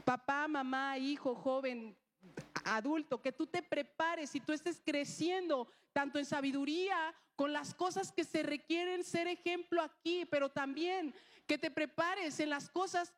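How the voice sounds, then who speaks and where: A woman's voice: high voice, unhurried. A woman preaching a sermon, mixing a personal story with rhetorical questions and acted-out dialogue.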